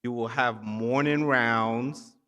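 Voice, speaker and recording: A man from Nigeria giving an encouraging keynote speech to students at a ceremony, with emphatic phrasing and short pauses. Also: mid-range voice, fairly even intonation, pushed and bright, lo-fi sound. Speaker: keynote speaker, physician assistant. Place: large indoor hall at a ceremony. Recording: echoey hall with long reverb.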